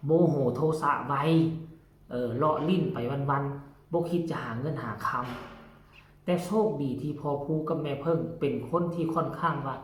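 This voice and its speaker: A man with a Lao accent, from Laos, talking to his fans in a casual vlog and lecturing them in a folksy, preachy way. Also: fairly high pitch. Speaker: vlogger addressing fans. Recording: roomy echo.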